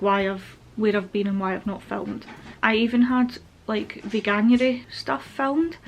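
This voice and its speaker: A woman's voice: on the high side, a little hiss or hum, low-quality recording. Stuffy-nosed young woman vlogging. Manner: open, meandering, with frequent fillers. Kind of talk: candid personal update to camera. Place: at home, with pet rabbits nearby.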